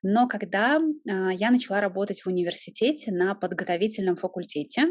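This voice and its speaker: A young woman, a Russian language teacher, explaining her teaching views in a relaxed conversation, pausing often with small hesitations. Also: medium pitch, no echo, clean studio sound. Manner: thoughtful, explanatory, with frequent hesitations. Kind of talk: conversational interview.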